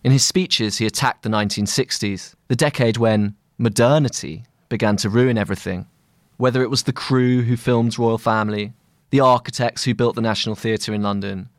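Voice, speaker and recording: A man reading a scripted long-form article aloud in a measured, articulate, literary manner. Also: fairly low pitch, no echo, studio quality. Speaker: narrator of a long-read magazine article.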